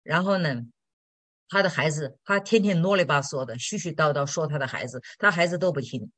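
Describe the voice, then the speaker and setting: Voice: mid-range voice, brisk, fairly bright tone, dry recording. Blunt, direct Christian teacher. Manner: direct, blunt, colloquial with tag questions. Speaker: Christian teacher answering listener questions. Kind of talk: sermon-style Q&A.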